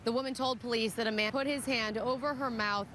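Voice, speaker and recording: Higher-voiced female field reporter, street noise behind. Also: steady tone, brisk, a bit bright. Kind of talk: scripted live news report. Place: outdoors in the city, live location. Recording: clear street and vehicle noise.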